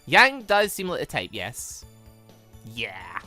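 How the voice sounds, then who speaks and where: A woman's voice: a bass voice, wildly swooping pitch, takes it slowly, sharp tone, faint music behind. A woman giving casual, chatty let's-play commentary on a visual novel, rambling through giggly asides. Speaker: gaming video host.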